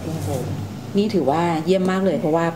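A woman hosting a conversational interview, gently prompting her young guests with questions. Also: fairly low pitch, fairly even intonation, fast talker. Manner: gently prompting, calls herself "big sister" to young guests. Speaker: radio programme host interviewing two young sisters. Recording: faint background noise.

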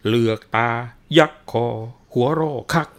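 A man's voice: a little slow, lightly acted. A man voicing a cowardly bald rich man who whines, wails and fakes illness and possession. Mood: ranting possessed. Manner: whiny, wailing, feigns illness and spirit possession.

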